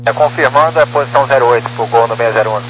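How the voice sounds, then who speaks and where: A male airline pilot makes quiet radio callouts. He reads instructions back in short, clipped phrases. The cockpit radio adds some noise and hum. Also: mid-range voice, very fast. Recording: humming, slightly noisy cockpit radio.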